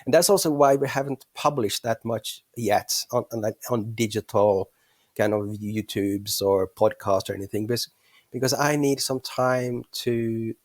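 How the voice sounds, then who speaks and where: A man's voice: fairly low pitch, fairly even intonation, measured pace, no echo, studio quality. A man in his fifties with a Norwegian accent, a monk speaking as a guest, hesitant and searching for words, often chuckling. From western Norway. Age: 50s. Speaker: guest, Buddhist monk and teacher. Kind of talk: casual interview chat.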